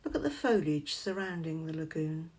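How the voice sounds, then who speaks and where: A woman narrating a scripted Christian guided meditation, giving measured, gentle instructions in short phrases. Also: low voice, very animated.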